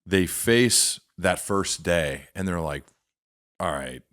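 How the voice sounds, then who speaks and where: A man with a fairly low voice interviews a guest in a conversational way. He sounds engaged, thinking aloud as he builds his questions. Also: expressive, takes it slowly, fairly bright tone. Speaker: podcast host, interviewer.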